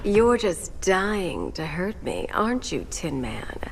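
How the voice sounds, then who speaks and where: A low, slow, purring villainess, savoring every mocking word. Faint ambient hiss sits under the game cutscene. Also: female voice, huge pitch swings, creaky, heavily acted. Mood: taunting. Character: sultry scornful female villain.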